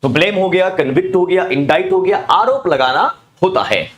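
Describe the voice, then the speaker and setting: Male tutor, animated and fairly high voice, reads words slowly and spells them out. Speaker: English teacher. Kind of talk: exam-prep lesson.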